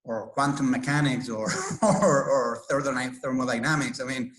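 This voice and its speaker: A man's voice: mid-range voice, measured pace, fairly bright tone. Skeptical man from Venezuela, echoey room. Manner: skeptical, storytelling, laughs while questioning. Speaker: interviewer. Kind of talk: conversational interview.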